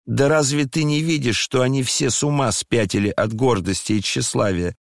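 A man reading aloud and voicing a hot-tempered older noble lady with shrill, scolding outbursts. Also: normal speed, vocal fry, no echo, clean studio sound, natural voice. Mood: scornful.

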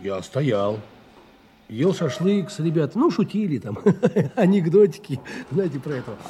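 A man's voice: a little high, very animated, normal speed, mellow, a little hiss or hum. An actor playing an evasive, uneducated working-class man in an audio drama, cocky and folksy, with colloquial chuckling speech. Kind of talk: Russian audio drama acting.

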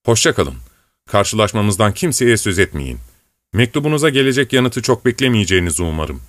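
Composed noblewoman, measured and calm, voiced by a male narrator; low, dry read. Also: no room sound. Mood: cool. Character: calm gracious noblewoman, the empress.

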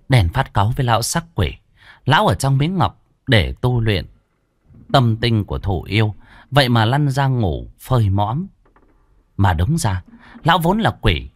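A man narrating a ghost story in an animated storytelling manner. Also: mid-range voice, dry recording.

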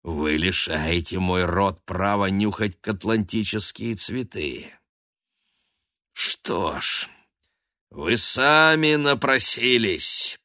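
A man's voice: medium pitch, very animated, slow pace, a bit bright, no room sound, studio quality, voice pushed up. A man voicing a menacing black male cat sorcerer who hisses threats and shrieks curses, for a storybook. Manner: sly, then shrieking curses.

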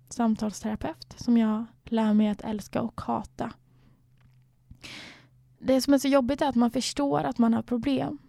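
Young woman, personal storytelling, reflective, slightly high, flat delivery. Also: gravelly, no room sound, clean studio sound. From Sweden. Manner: candid, reflective, at times near a whisper.

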